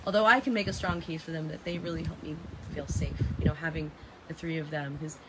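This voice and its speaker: A woman in her thirties with a raspy voice, chatting casually and dramatically to live stream viewers, repeating phrases for emphasis. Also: sits low, steady tone, quick pace. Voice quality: raspy from heavy singing. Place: open porch of a house and its garden, outdoors. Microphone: phone at arm's length. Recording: noisy outdoor phone recording.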